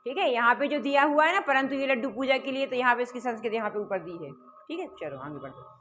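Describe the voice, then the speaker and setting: A woman's voice: on the high side, expressive, quick pace, fairly bright tone, faint music behind. A woman teaching a Sanskrit textbook chapter, explaining word by word and asking and answering her own questions.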